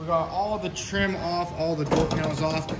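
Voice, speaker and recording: There's a man talking. His voice comes through with a fair amount of background noise. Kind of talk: casual vlog walkthrough. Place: garage. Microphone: phone near.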